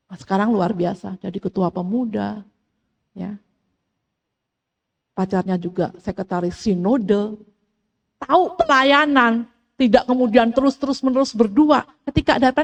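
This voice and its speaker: A middle-aged woman preaching a sermon, telling family stories with lively acted-out dialogue. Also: a little high. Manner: animated storytelling, acts out family dialogue. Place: church hall. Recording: echoey church hall.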